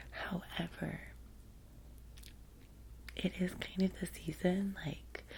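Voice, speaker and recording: Casting: woman, Valley girl American accent, low and whispery, as a chatty, soothing vampire's assistant for ASMR roleplay. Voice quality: soft, breathy whisper. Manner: casual, chatty Valley girl phrasing with many "like"s. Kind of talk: ASMR roleplay, soft-spoken personal attention.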